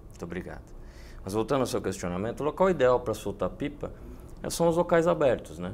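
A man at medium pitch with vocal fry, very wide pitch swings, a very fast pace and long, frequent pauses, over light background noise. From Bauru, interior of São Paulo state. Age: 30s. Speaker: fire department captain. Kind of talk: studio debate. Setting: studio. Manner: formal. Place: studio.

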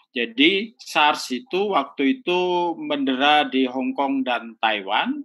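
A very slow pace with hardly any pauses and lively intonation, over a quiet background. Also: man, fairly high pitch for a man. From Indonesia. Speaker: migrant rights activist; webinar panelist. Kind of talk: webinar panel discussion. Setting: video call. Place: home room. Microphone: earbuds.

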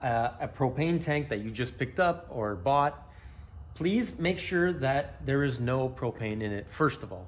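Somewhat breathy male speech at a fairly slow pace. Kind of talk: tutorial. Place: workshop.

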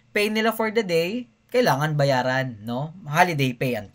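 A man's pitch swings very widely as he speaks. The recording is very clean, with a silent background. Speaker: accounting lecturer. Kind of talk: lecture. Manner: casual Taglish with frequent fillers.

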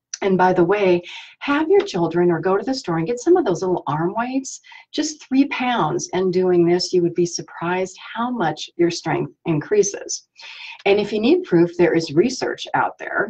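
A woman at a moderate pace with lively intonation. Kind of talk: advice vlog talk to viewers. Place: home room. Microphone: webcam.

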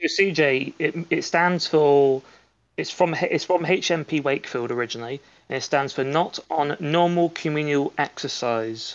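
A man with a fairly high pitch talks at a fairly slow pace with ordinary pitch variation. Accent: West Country. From Taunton, Somerset, England; England. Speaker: caller; call-in show host. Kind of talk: casual chat. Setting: video call. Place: home room. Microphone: webcam.

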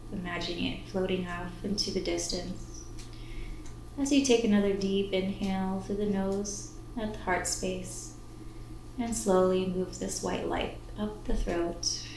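Light background noise and audible room echo surround a woman speaking at a fairly slow pace. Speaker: meditation guide. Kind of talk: guided meditation. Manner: slow, soothing, calm and gently paced with long pauses; warm, inviting, soft-spoken. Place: home room.

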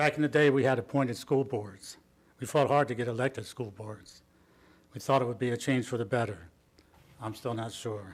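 Very fast and somewhat breathy, a man's speech holds a medium pitch and fairly even intonation. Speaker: retiring teacher giving public comment. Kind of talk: prepared public comment speech. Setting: school board meeting.

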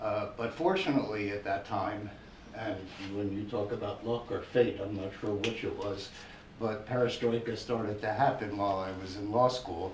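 The speech moves at a moderate pace. Audible room echo and light background noise are present. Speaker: lawyer. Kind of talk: panel talk. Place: meeting room. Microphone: camera far.

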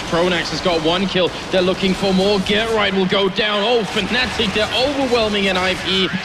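An excited tone over crowd noise in the background. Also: man. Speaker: esports commentator. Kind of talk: live esports commentary. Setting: stage with live crowd. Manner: fast, excited play-by-play that builds to a shout at the decisive rounds. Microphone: headset.

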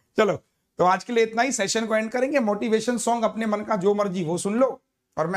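The speaker sounds animated and moves at a moderate pace with ordinary pitch variation. The background is quiet. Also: man. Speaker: maths teacher for exam preparation; online exam-prep teacher. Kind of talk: online lecture; lecture. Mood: motivational, animated. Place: studio.

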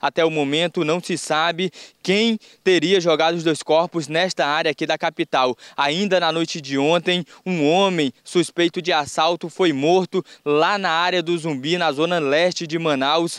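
The speech comes at a fairly slow pace with fairly even intonation, in a dry, close sound with no echo and a quiet background. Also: man, high pitch for a man. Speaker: field reporter. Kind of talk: live news report. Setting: outdoors on location.

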